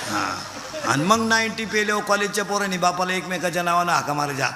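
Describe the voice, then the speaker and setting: A man's voice: high-pitched, racing, background noise. A man preaching a comic devotional kirtan, telling stories and mocking in acted voices. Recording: echoey hall sound.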